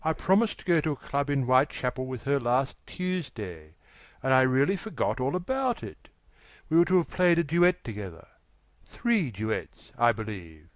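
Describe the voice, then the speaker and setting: A man voicing a petulant, charming young gentleman who talks in a wilful, breathless rush. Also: medium pitch, sing-song, no echo, pitched above the performer's own voice, lightly acted. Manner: wilful, quick, breathless pleading.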